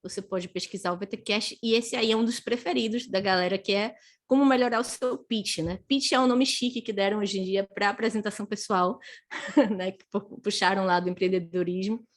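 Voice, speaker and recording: A woman's voice: medium pitch, steady tone, brisk. A woman giving a live online career talk, chatting to viewers and tagging her phrases with a questioning "né?". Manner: chatty, tags nearly every phrase with a questioning "né?"; reads and answers viewer comments as she goes. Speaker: career speaker.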